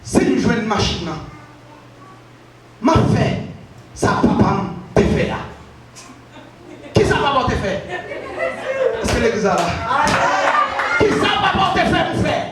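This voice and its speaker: High-voiced shouting preacher, echoey. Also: male voice, sing-song, slow pace, long pauses, background noise. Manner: repetitive, emphatic, shouting. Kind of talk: shouted call-and-response sermon. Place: church hall. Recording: very echoey from far off, crowd behind.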